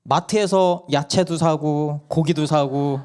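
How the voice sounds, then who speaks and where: A hoarse man voicing an eight-year-old boy who whines and argues for a Christmas present. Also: fairly high pitch, fairly even intonation, slow pace, a little mellow, voice pushed up. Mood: whiny, arguing. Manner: whiny, argumentative, insistent. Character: pushy little boy, about eight, demanding presents.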